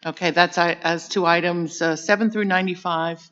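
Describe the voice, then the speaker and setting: A woman's voice: lowish voice, steady tone, fairly quick, a bit bright. A woman acting as clerk, reading the roll call at a town meeting in a formal way. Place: town hall meeting room. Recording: dull lo-fi audio from a distance.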